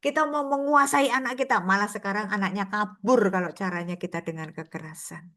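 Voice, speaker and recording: A woman's voice: medium pitch, brisk, pushed and bright. An older woman giving an informal sermon to a prayer group, chatty and anecdotal, often laughing between stories.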